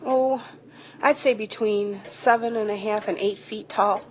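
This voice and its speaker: A friendly rural woman acted by a woman in an audio drama, giving her account as an eyewitness. She speaks in a folksy, descriptive way at a middling pitch. The recording is dull and carries some faint noise. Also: steady tone, unhurried, natural voice. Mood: earnest, awed. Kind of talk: amateur audio drama acting. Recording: muffled, noisy home recording.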